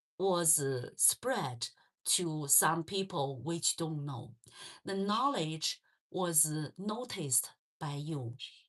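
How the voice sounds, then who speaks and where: Speaking at a very slow pace with a Chinese accent, a woman uses lively intonation broken by long, frequent pauses. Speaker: online English teacher. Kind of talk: livestream reading and teaching. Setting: livestream. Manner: halting; quiet.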